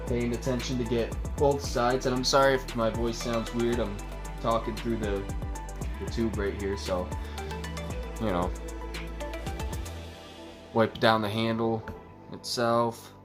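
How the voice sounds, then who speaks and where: A man's voice: mid-range voice, level tone, slow pace, long pauses, over music. A man giving a casual step-by-step demonstration, his voice muffled because he talks through a tube, rambling with lots of fillers. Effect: voice muffled by talking through a tube.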